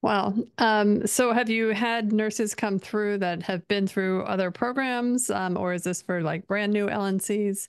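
A woman with a medium pitch speaks at a fairly slow pace, with fairly even intonation and hardly any pauses. It is a normal speaking voice, heard against a quiet background. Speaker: podcast host. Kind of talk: interview with ad read.

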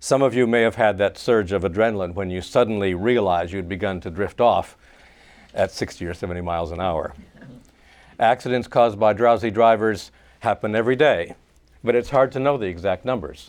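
A man with a normal speaking voice talks at a fairly quick pace. His pitch is fairly low, with ordinary pitch variation. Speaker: moderator and health reporter. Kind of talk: panel moderation. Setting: studio with audience.

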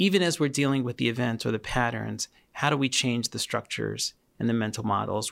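A normal speaking voice moves at a fairly quick pace with ordinary pitch variation, on a very clean recording with a silent background. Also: man. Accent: American. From Queens, New York. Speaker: physician and public health professor. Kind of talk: interview.

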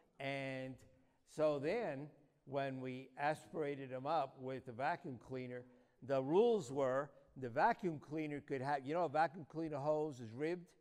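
A man with a New York accent talks at a moderate pace. His voice is fairly high, with ordinary pitch variation. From New York City. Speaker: entomologist and speaker. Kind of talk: lecture to live audience. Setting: stage with audience.

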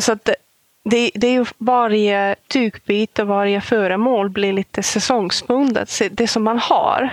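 In an Estonian accent, this voice moves at a very slow pace with hardly any pauses and fairly even intonation, with a dry, close sound and no echo. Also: woman, fairly high pitch for a woman. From Estonia (Haapsalu). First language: Estonian (speaking Swedish). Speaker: gardener. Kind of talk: interview. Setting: library.

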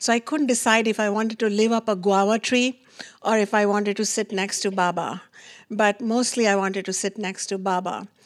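With an Indian accent, a woman talks at a fairly quick pace and a medium pitch, her intonation fairly even, in a very clean recording with a silent background. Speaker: Ayurveda teacher and author. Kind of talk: lecture. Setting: stage with audience.

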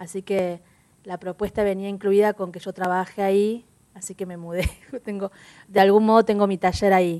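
A woman with a dark, mellow tone and medium pitch speaks at a moderate pace in monotone, flat intonation, with big swings in loudness and a dry, close sound with no echo. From Buenos Aires, Almagro. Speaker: painter. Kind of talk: casual chat.

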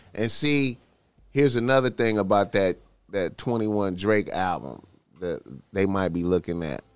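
Over music in the background, a man speaks at a fairly slow pace with long, frequent pauses and ordinary pitch variation. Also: fairly low pitch for a man. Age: 60s. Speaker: podcast host. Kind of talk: casual chat. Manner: animated.

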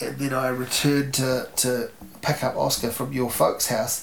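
Over noticeable background noise, a man with a New Zealand accent speaks at a fairly slow pace and a medium pitch. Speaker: podcast host and writer. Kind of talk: casual chat.

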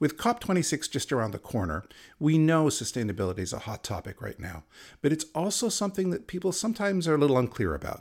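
A man with a Canadian accent talks at a fairly quick pace, his fairly high pitch making very wide swings. There is vocal fry in his voice, and the recording is very clean with a silent background. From Canada (Alberta). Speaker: podcast host. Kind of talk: interview; scripted narration.

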